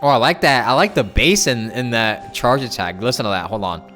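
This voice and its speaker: A man's voice: medium pitch, expressive, brisk. A man livestreaming a game with casual, slangy commentary, reacting off the cuff. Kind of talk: casual live commentary while gaming. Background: game music and sound.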